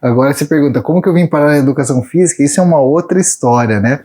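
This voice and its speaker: A man's voice: on the high side, racing, crowd noise. A man hosting a podcast, telling funny stories and laughing often between questions. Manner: jokey storyteller, laughs often. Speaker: podcast host. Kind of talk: casual interview chat.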